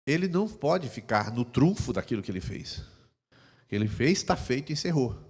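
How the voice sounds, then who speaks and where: A man preaching a sermon as pastor, swinging between hushed, intimate passages and loud, impassioned ones. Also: medium pitch, sing-song, normal speed, breathy edge. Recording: long hall reverb.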